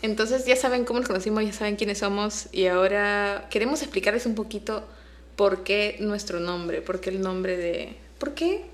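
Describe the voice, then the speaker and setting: A young woman, a native Spanish speaker, co-hosts a relaxed podcast at a middling pitch. She talks in a chatty, teasing way and keeps the conversation rolling. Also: moderate pace. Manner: chatty and teasing, laughs often. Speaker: podcast co-host. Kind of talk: casual chat.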